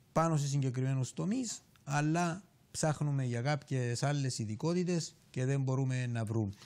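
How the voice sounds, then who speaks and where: Words come out at a fairly slow rate. A dark, mellow tone carries ordinary pitch movement. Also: man. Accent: Cypriot. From Cyprus. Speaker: education ministry official; guest. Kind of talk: TV interview. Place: studio. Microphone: lapel.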